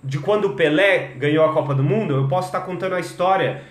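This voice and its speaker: A young adult man from Brazil teaching English in a live stream, energetic, switching between languages and stretching out example words. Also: a little high, roomy sound. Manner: energetic, code-switching, drawn-out demo words.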